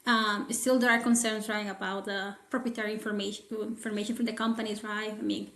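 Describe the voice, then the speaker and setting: A woman's voice: mid-range voice, flat delivery, a little fast, crowd noise. A woman guest speaking in a casual podcast conversation, thoughtful and hedging with frequent fillers. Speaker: guest toxicologist. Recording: roomy echo.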